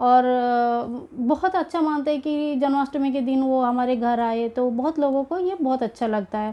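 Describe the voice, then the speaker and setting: With hardly any pauses, a woman talks in a high pitch with a dark, mellow tone and ordinary pitch variation. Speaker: devotional YouTuber. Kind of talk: casual religious talk to viewers. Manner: hesitant, many fillers.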